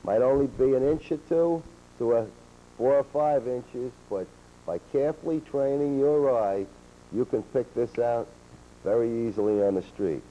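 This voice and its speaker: A man calmly explaining police techniques on a training video, in a steady, matter-of-fact way, heard from an old VHS tape. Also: medium pitch, moderate pace. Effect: old VHS tape sound. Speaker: law enforcement instructor. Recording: dull worn VHS tape with faint hiss.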